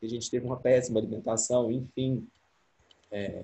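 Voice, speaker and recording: The man's voice is somewhat breathy. He speaks at a moderate pace. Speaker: radiology lecturer. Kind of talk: online lecture.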